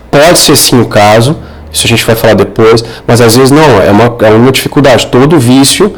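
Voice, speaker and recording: A Brazilian man speaks in an informal religious advice monologue, his voice at an average male pitch. He is earnest and didactic, addressing the listener directly and seeking agreement with short tag questions. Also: low-quality recording. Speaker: Catholic advice video creator.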